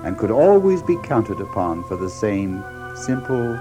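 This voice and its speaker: A man's voice: on the low side, big pitch swings, unhurried, over loud music, rough recording. A man narrating a children's story from a script.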